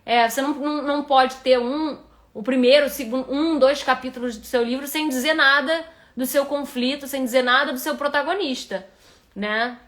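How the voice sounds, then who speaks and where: During a live critique of a reader's manuscript, a writing instructor thinks aloud and frequently restarts her sentences. She speaks Rio de Janeiro Portuguese in a high, slightly bright voice at a moderate pace.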